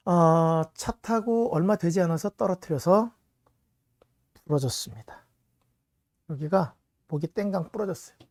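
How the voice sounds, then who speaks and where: A man's voice: a little high, a little mellow, dry recording, studio quality. A middle-aged man preaches a sermon in a storytelling way. He tells a family story as a pastor and keeps speaking to his congregation directly.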